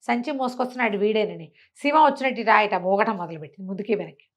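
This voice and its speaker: A woman's voice: medium pitch, quick pace. A woman telling an oral story in a colloquial, conversational way, putting rhetorical questions to her listener.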